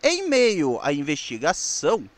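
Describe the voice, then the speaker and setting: A man's voice: fairly high pitch, wildly swooping pitch, a little slow. A man with a Brazilian accent, hosting and narrating a semi-scripted recap in an informal, slightly stumbling way. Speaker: host of a retro television review show.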